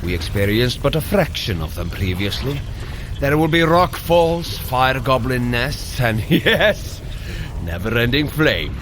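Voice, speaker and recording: An actor playing a boisterous, good-natured warrior god who speaks in grand, old-fashioned formal phrases in an audio drama. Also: male voice, mid-range voice, very animated, a little slow, a bit bright, a little hiss or hum. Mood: hearty, resolute. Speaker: guide and coach in a fitness adventure. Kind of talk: scripted audio drama acting.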